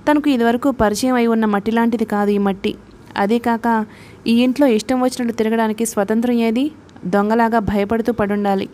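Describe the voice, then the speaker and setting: Female audiobook narrator, higher pitch, steady scripted reading.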